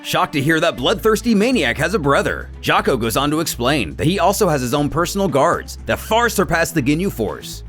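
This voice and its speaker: A man narrating a scripted story recap as channel host, telling it in an expressive way with casual asides. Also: on the high side. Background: soft background music.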